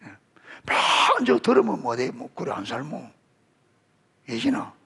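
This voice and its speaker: A middle-aged man preaching, his voice gravelly and a touch husky, rising and falling across a wide range. He keeps firing questions at his listeners and calls children out by name to answer. The delivery is a warm, conversational sermon. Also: medium pitch, unhurried. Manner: animated, rising emphasis on scripture. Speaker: pastor.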